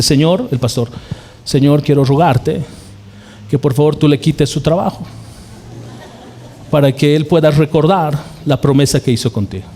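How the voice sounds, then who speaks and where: Bolivian pastor preaching, slightly high voice. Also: male voice, dark tone. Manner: storytelling, acts out short quoted exchanges. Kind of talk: sermon.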